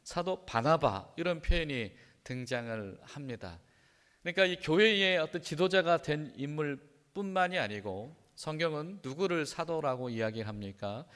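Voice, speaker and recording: A man's voice: a little high, animated, moderate pace, fairly bright tone, clean tone. A male pastor preaching a sermon in a conversational way, with frequent rhetorical questions. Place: church sanctuary. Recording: long reverb of a church sanctuary.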